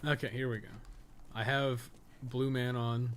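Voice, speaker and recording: A man with a mid-pitched voice chats casually through a live game stream. He rambles in a loose, self-amused way and curses freely. There is some light noise behind his voice. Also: level tone, unhurried, a bit bright. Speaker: video game streamer and podcast co-host.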